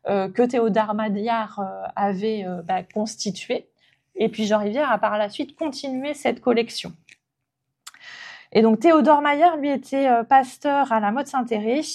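A woman's voice: fairly high pitch, a little mellow. Hesitant woman guide, filler-heavy. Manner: hesitant, frequent filler pauses. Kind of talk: spontaneous guided presentation.

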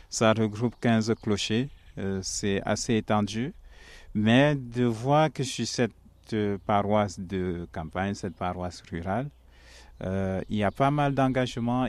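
Friar in his 30s, low smooth voice, earnest, lots of little pauses. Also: no room sound. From Cameroon. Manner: reflective and earnest, with frequent hesitations. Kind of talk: interview answers.

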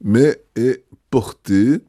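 A man's voice: medium pitch, drawn-out words, mellow, no room sound, studio quality. A man, a church leader answering interview questions in a reflective, hesitant way, with many fillers and restarts.

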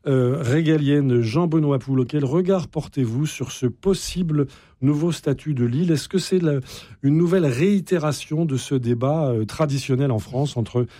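A man's voice: fairly high pitch, moderate pace, mellow, no room sound, studio quality. Man hosting a radio debate. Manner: formal, probing questions, frequent brief interjections. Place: radio studio.

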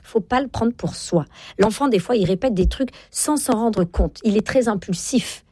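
Her voice is medium in pitch, dark, and husky, captured dry. This forties-aged child psychologist and parenting author is a guest in an interview conversation, and she speaks quickly and emphatically, filling her speech with fillers and agreeing again and again.

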